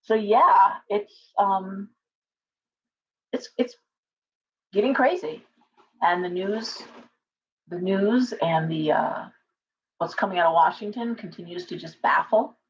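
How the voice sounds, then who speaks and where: A middle-aged woman, a tarot reader, chatting casually on a livestream from her living room, hoarse from coughing and rambling with many restarts. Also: medium pitch, takes it slowly, pauses often. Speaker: tarot reader and shop owner. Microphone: webcam at desk distance. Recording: slightly dull lo-fi webcam audio.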